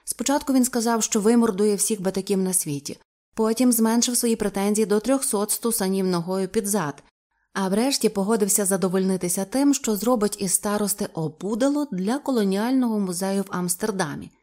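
A woman reads a classic novel aloud with steady, measured storytelling. Her voice sits at a middle pitch. Her pace stays calm and deliberate. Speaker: audiobook reader. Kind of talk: literary audiobook narration.

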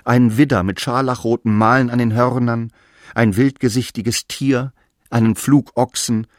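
An actor playing Paulus, a fervent early Christian apostle, delivering solemn, exhorting letters in archaic scriptural language for a radio drama. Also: male voice, medium pitch, steady tone, normal speed, no echo, clean studio sound, lightly acted. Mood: grave, searching. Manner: declamatory, grave, exhorting.

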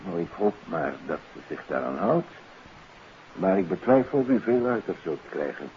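A man's voice: low voice, big pitch swings, normal speed. An actor playing a troubled psychiatrist and father, speaking earnestly and formally in a 1950s radio drama. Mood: perplexed, uneasy. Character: troubled psychiatrist father, baffled by his daughter. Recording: hissy, dull old radio recording.

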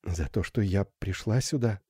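A man's voice: fairly low pitch, normal speed, breathy edge, dry recording, studio quality. A man doing a shy, tender young Gypsy girl. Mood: tender, pleading. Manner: soft, pleading, lightly raised voice.

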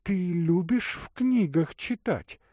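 A gentle young woman tends to a sick man in a soft, singsong lilt, as a man reads her part in a high, lively voice. The delivery is unhurried, and the recording is close and dry. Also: breathy edge, no room sound, full character voice. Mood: tender.

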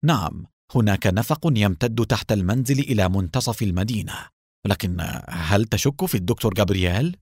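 A man's voice: fairly low pitch, brisk, darkish tone, slightly rough, no echo, clean studio sound. A man voicing a helpful male engineer in a storybook reading.

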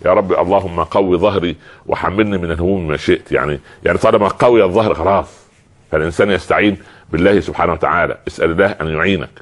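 A man with an Egyptian accent hosting a religious call-in show, answering callers in a gentle, fatherly way. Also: sits low, rapid-fire. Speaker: host.

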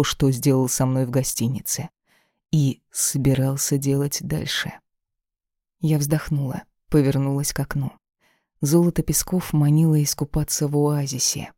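An audiobook reader telling a first-person story in a calm, wry manner. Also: medium pitch, normal speed, no echo, clean studio sound.

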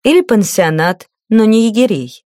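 A woman's voice: mid-range voice, lively intonation, moderate pace, a little mellow, no room sound, clean studio sound, natural voice. A woman reading an audiobook, voicing a fierce, protective young woman who speaks firmly and defiantly. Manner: firm, defiant.

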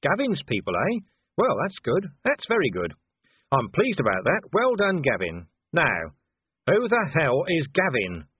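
A man voicing a weary, blunt middle-aged male watch commander in an audiobook, with sarcastic, gruff delivery. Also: on the high side, wildly swooping pitch, unhurried, dry recording, pitched above the performer's own voice, full character voice. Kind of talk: audiobook character voice. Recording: dry, narrow phone-like sound.

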